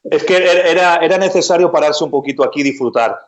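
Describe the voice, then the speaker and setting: A man's voice: fairly high pitch, fast talker, a little hiss or hum. A man co-hosting a religious talk, chatting and affirming with amens. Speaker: co-host preacher. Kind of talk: casual religious chat.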